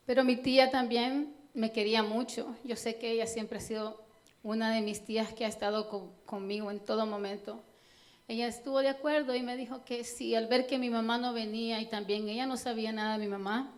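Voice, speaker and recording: Earnest Salvadoran woman giving testimony. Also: a little high. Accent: Salvadoran Spanish. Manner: earnest, halting, with many fillers. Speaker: church member giving testimony. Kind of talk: personal church testimony.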